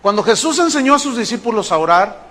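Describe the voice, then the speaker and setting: A pastor preaching with lively storytelling and acting out the voices of the people in his anecdote. His voice sits high and rings bright. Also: quick pace. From Mexico. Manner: animated storytelling, mimics voices in quoted dialogue. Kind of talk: sermon with acted-out anecdote.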